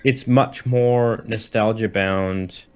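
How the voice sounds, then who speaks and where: Low-voiced man explaining in casual gaming chat. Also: fairly even intonation, slow. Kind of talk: casual chat about games.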